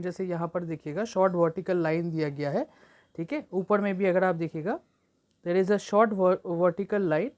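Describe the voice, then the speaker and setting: A woman teaching an exam-prep lesson, reading English textbook lines slowly and then explaining them at length. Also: medium pitch, darkish tone.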